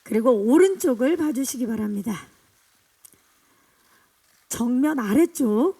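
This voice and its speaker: A woman emcees a press screening in an upbeat, guiding manner. She cues guests through their photo poses and introduces each one in turn. Her voice sits high but has a mellow, soft tone. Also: expressive, takes it slowly, breathy edge. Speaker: event host.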